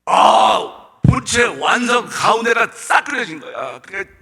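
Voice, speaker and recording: A man preaching a sermon as a guest missionary in a church, telling stories with animated bursts of shouting and questions to the congregation. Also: on the high side, moderate pace. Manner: storytelling with rhetorical questions to the congregation. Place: church sanctuary.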